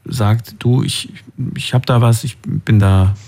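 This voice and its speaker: A man's voice: medium pitch, fairly even intonation, slow pace, vocal fry, dark tone. A man hosting a call-in talk show, questioning a caller closely and pushing back on his answers. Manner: probing, questions each answer. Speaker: radio call-in host.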